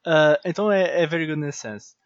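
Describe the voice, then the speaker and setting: A man's voice: fairly high pitch, normal speed, no echo. Man with a half-robotic remote-call voice. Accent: European Portuguese. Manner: relaxed, mixes in English slang. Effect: half-robotic, degraded remote-call voice. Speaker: podcast co-host. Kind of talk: casual gaming chat. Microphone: remote call from outside the studio. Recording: dull lo-fi remote line.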